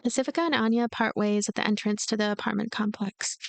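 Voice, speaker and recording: A woman's voice: mid-range voice, fairly even intonation, fast, vocal fry, a little hiss or hum. A woman doing a voiced let's play, narrating a story game aloud with casual commentary. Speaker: let's player reading game text aloud.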